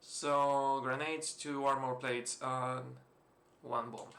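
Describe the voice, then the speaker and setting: A man's voice: mid-range voice, level tone, slow pace, a bit bright. A man from Spain with a mixed, Spanish-influenced accent, rambling through casual let's-play commentary, swearing freely and chuckling often. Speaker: gaming channel host. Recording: roomy echo, faint hiss.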